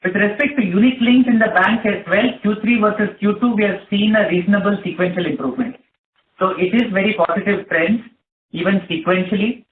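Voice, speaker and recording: A man giving measured, explanatory answers as a company executive on an earnings call. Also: high-pitched. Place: conference call. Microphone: telephone. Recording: tinny phone line with noise and clicks.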